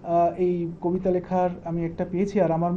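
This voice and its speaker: A man, a guest poet, hesitant in conversation and animated when reciting comic verse. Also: high voice, normal speed, crowd noise. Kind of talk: interview and comic poetry recitation. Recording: muffled roomy hall with faint hiss.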